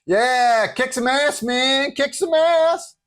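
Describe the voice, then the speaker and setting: Excited male street fans of a superhero, whooping in slangy shouts. The voice jumps far up in pitch and gets loud, like a cartoonish bystander. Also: slow, full character voice. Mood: cheering.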